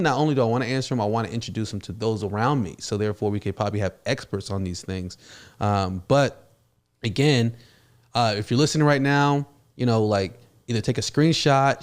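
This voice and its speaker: A man hosting a podcast in relaxed, casual chat, laughing often. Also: medium pitch. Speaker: podcast host.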